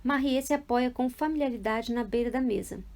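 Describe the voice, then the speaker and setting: A woman narrating a literary audiobook in a calm, measured reading voice. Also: on the high side. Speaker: audiobook reader.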